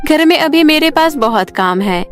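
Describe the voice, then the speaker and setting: A woman acts a reasonable, put-upon sister-in-law in a cartoon family tale. Her voice is fairly high. Soft music plays underneath. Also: lively intonation, moderate pace. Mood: protesting gently. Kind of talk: Hindi cartoon story voice acting.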